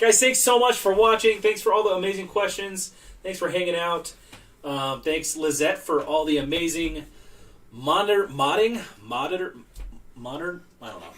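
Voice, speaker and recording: A man speaks loudly at a moderate pace, his high pitch carrying lively intonation. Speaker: online clothing reseller, channel co-host. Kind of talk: casual live stream chat. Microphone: far from the shared microphone.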